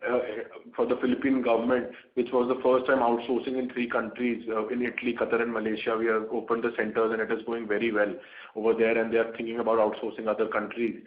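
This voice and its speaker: A man's voice: mid-range voice, monotone, fast. A man with an Indian accent answering as a company executive on an earnings call in a businesslike way. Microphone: conference call phone. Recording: echoey narrowband phone line.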